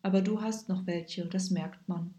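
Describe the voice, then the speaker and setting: A woman's voice: lowish voice, close to an everyday voice. Woman reading a listless, unexcited witch. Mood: flat. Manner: unexcited, slow, flat. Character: listless female witch, calm and flat. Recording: echoey room.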